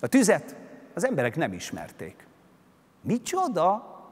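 A man giving a dramatic literary reading of a story, with expressive, sweeping intonation, on a concert hall stage. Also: mid-range voice. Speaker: reciting actor.

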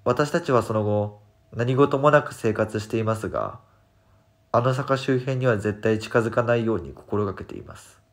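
A man reads scripted ghost stories as a horror narrator, in a measured storytelling manner with dramatic pauses. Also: fairly low pitch. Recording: background music behind the narration. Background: music.

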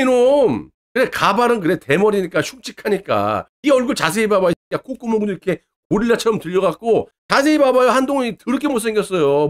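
A male channel host delivering an angry political rant, abusive, insulting and swearing nonstop. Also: sits high.

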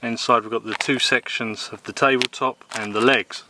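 A man in his thirties from England casually reviewing a camping table outdoors in the woods, with a relaxed manner and plenty of ums and uhs. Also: mid-range voice, normal speed, heavy background noise. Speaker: gear reviewer. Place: outdoors in woodland.

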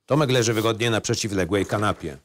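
A man with a fairly low voice narrates a screenplay. He reads scene headings and stage directions as scripted narration. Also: fast.

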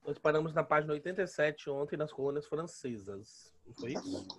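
A man's voice: on the high side, animated, brisk, a bit bright, slight background noise. A Brazilian man in his thirties with a sore, inflamed throat, casually explaining as a teacher on a headset in an online lesson, often adding tag questions. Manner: colloquial, often adding "né" and "tá" tags. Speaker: history teacher. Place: small room at home, indoors. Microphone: headset on a video call.

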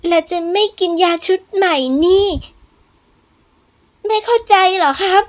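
A woman's voice: extremely high pitch, fairly even intonation, a little slow, pitched above the performer's own voice. Woman voicing a sobbing, desperate young man. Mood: insistent. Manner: pleading, sobbing, rising to shouts. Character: frail young man, desperate for his medicine. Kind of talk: audiobook voice acting.

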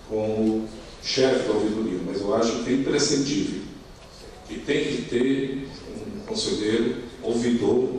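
Standing at a lectern in a conference hall, this middle-aged man with a Brazilian accent gives a semi-extempore formal presentation, stumbling and repeating words as he hunts for the right expression. His voice is fairly low with a darkish tone. The recording carries hall echo, a distant mic, and a little background noise.

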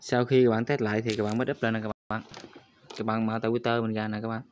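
A man's voice: lowish voice, flat delivery, fast talker, a little hiss or hum. A man hosting a screen-recorded crypto tutorial, talking viewers through each step and repeating his address to them constantly. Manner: repetitive, addresses viewers constantly as "các bạn".

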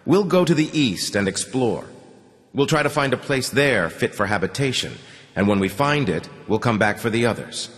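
A man's voice: medium pitch, lively intonation, moderate pace, faint music behind, lightly acted. Guy reading young guy begging everyone to leave, fired up, echoey hall. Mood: urgent. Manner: impassioned, urgent. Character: weary young man pleading to leave the tunnels. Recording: long hall reverb.

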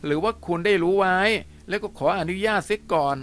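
A woman's voice: on the low side, a little fast, voice pushed up, close to an everyday voice. A man voicing a prim, strict young female teacher who talks in a formal, fussy, complaining way. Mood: indignant.

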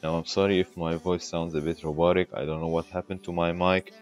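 A man's voice: low voice, flat delivery, brisk, faint music behind. A man hosting a casual tech tutorial, talking the viewer through each step, his voice coming through a glitchy, bitcrushed mic that makes it sound robotic.

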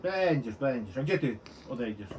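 A man's voice: medium pitch, animated, normal speed, darkish tone, slight background noise. A man in casual chat, coaxing and insistent, who soothes the other man when he cries.

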